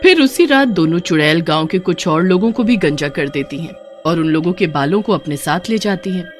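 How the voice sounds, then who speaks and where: A woman narrating a cartoon horror story in an even, scripted storybook manner. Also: on the low side, moderate pace, faint music behind.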